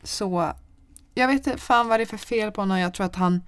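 A young woman chatting casually, telling a story in a lively way and swearing often. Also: mid-range voice, smooth, no echo.

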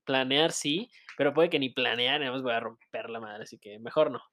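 A man's voice: medium pitch, a little fast, pushed and bright. A man with a Mexican accent co-hosting a casual podcast chat, joking and laughing often. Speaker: podcast co-host.

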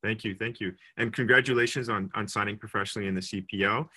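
Man, podcast host, low husky voice, bright edge, friendly interviewer. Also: steady tone, fast talker. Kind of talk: hosting an interview.

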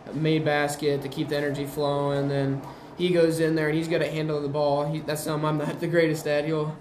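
A man's voice: on the high side, level tone, brisk, darkish tone. A teenage young man giving casual, modest, plain-spoken interview answers as a basketball player. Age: teens. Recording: roomy, echoing, faint noise.

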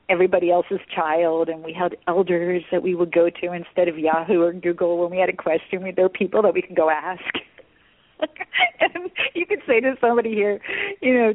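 A woman's voice: on the low side, no echo. Effusive woman host on a tinny line. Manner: enthusiastic, effusive. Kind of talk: radio interview.

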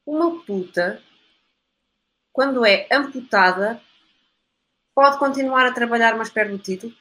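A woman's voice: on the high side, measured pace, a bit bright. A woman with a European Portuguese accent chatting casually as a livestream guest, rambling and repeating words as she stumbles along. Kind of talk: casual chat.

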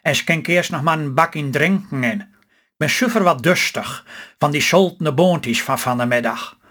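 A man's voice: a little high, a little slow, fairly bright tone. Brief: a man as a grumpy doubting farm husband, Stellingwerf dialect, muttering gloom. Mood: grumbling. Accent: Stellingwerf Low Saxon dialect. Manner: grumbling, gloomy. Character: grumpy pessimistic rural husband.

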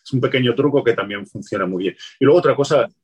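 A man speaking as an interview guest, explaining marketing tips in a relaxed, advice-giving way, often restarting his phrases. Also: mid-range voice, very fast, husky. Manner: explanatory, many restarts and "pues". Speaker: guest, LinkedIn sales consultant.

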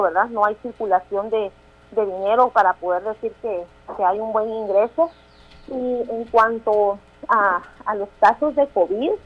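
A Guatemalan woman in her thirties, a town mayor speaking as a radio interview guest, halting with restarts and tag questions. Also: medium pitch, highs cut off. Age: 30s.

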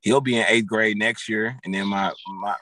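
A man's voice: on the low side, fairly even intonation, normal speed, pushed and bright, no room sound. A man in his thirties, a guest and football coach, talking casually on a podcast with many fillers and restarts. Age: 30s.

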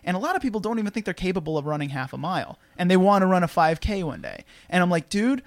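Give me a fairly high-voiced man hosting a podcast, swearing casually, with a dry close sound. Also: fast talker, vocal fry, dry recording. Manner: swears freely, laughs, animated storytelling. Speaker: podcast host. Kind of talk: casual chat.

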